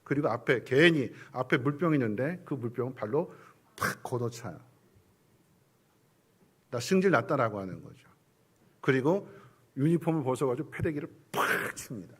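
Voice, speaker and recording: Animated Korean pastor preaching. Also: male voice, medium pitch, normal speed, long pauses, breathy edge. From South Korea. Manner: animated preaching, acts out quoted voices, drops to whispers. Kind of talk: sermon. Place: church sanctuary.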